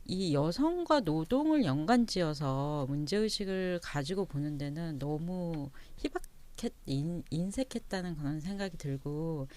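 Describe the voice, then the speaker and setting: A woman guest on a podcast, talking in a measured, reflective way. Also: sits low, animated, mellow. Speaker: guest writer. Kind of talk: thoughtful discussion.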